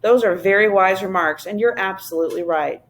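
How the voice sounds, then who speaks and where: A woman voicing a middle-aged father who talks in a brisk, matter-of-fact way. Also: mid-range voice, slight background noise, lightly acted.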